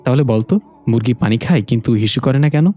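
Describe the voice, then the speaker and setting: A man's voice: mid-range voice, quick pace, dark tone, soft background music, close to an everyday voice. A man voicing a bumbling, easily scared young male sidekick who talks in a flustered, pleading way. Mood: quarrelsome.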